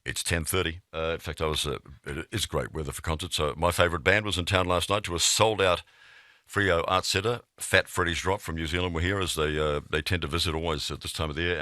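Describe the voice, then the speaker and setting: A man's voice: extremely low pitch, sharp tone, no echo. An Australian man presenting a music radio show in a casual style, close on a studio microphone. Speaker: radio host.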